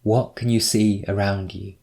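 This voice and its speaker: A man narrating a scripted guided meditation, giving measured, instructive prompts with pauses between them. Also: fairly low pitch, little pitch movement, vocal fry, darkish tone.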